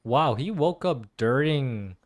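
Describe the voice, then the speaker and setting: A young man giving casual, slangy play-through reactions as an excitable gaming fan. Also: mid-range voice, slow pace. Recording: game music behind voice.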